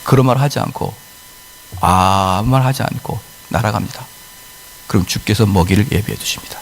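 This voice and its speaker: A man's voice: fairly low pitch, moderate pace, vocal fry, in a large hall, slight background noise. A male pastor preaching a sermon emphatically, with rhetorical questions and acted-out quotes. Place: church sanctuary.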